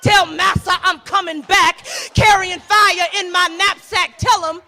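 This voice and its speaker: A woman's voice: very high-pitched, steady tone, unhurried, sharp tone, faint music behind. A woman poet performing spoken word in a fierce, declamatory, incantatory way. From United States.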